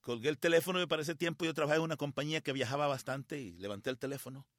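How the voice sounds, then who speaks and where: A middle-aged man preaching a sermon, telling a personal story with feeling and dramatic pauses. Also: on the high side, fairly bright tone, no room sound, studio quality. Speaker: pastor.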